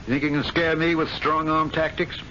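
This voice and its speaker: A man's voice: fairly high pitch, flat delivery, a little fast, bright, forceful tone, a little hiss or hum. An actor playing an anxious, weak-willed male trust officer in debt, pleading and flustered in an old radio drama. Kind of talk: 1970s radio drama acting. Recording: lo-fi vintage radio with faint music.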